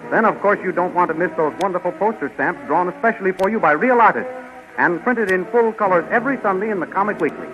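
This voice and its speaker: A man narrates in the scripted style of a 1930s radio announcer. His pitch is high for a man. The recording is dull and clearly noisy, like vintage radio. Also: fast talker.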